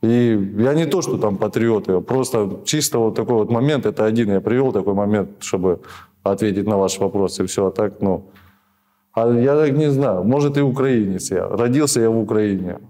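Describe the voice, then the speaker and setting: Man, 30s, interviewee: hesitant, rambling, many restarts, dark low voice, lapel mic in a small office. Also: moderate pace. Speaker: prisoner of war being interviewed. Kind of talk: halting conversational answers.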